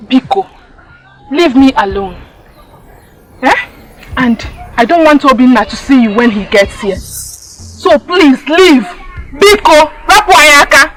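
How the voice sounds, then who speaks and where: A curt, dismissive young maiden. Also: female voice, on the high side, lively intonation, a little slow, pauses often, soft background music, poor audio. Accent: Nigerian. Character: firm, dismissive young woman, already taken. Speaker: maiden who refuses a suitor. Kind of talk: film acting.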